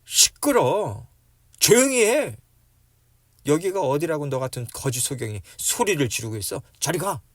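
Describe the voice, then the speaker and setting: A male preacher voicing scornful bystanders who harshly shout down a blind beggar. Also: fairly high pitch, big pitch swings, unhurried, no echo, clean studio sound. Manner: harsh, snapping, drawn out.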